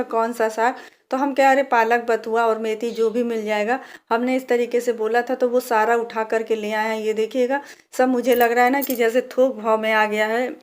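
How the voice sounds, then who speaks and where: A woman from India, chatting with viewers in a casual home cooking and cleaning vlog from her kitchen. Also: a little high. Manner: chatty, addresses viewers directly, frequent restarts. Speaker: vlogger.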